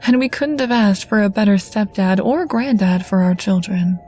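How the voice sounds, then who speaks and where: Mellow-voiced woman narrating a story. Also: mid-range voice, normal speed, soft background music. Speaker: guest narrator. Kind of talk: scripted first-person story narration.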